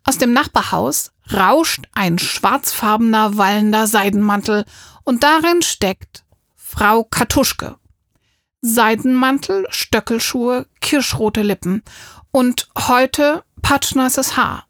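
A woman narrates a children's storybook in a slow, unhurried way. Her voice sits fairly high, and the close microphone leaves it dry with no room sound. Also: fairly bright tone, no room sound. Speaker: audiobook reader. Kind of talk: scripted narration.

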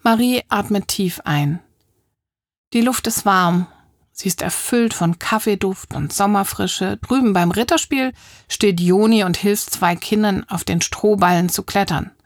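A woman narrating a children's audiobook with a lively, expressive reading. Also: mid-range voice, unhurried, no echo, studio quality. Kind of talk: scripted storybook narration.

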